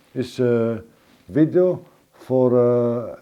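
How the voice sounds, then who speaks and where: A man with a Greek accent speaks in a dark, mellow tone with lively intonation. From Greece. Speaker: motorcycle reviewer. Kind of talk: product review. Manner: hesitant, with fillers.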